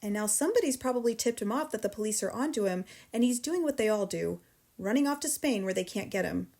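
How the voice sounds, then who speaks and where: A gentle young schoolteacher who speaks quietly and patiently in a calm, kind voice. A woman reading the story voices her, close to her own voice. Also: on the high side, fast talker.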